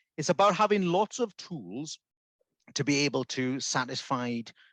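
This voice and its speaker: With lively intonation and a Welsh accent, a man speaks at a moderate pace in a dry, close sound with no echo over a quiet background. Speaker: salon business coach. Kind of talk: podcast interview. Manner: animated.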